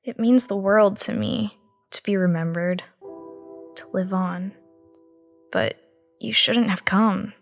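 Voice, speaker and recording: A woman acts a knowing, ghostly aunt in an audio drama. She is solemn and cryptic, with very slow, measured delivery and plenty of vocal fry. Soft music plays behind her. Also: medium pitch. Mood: solemn, tender.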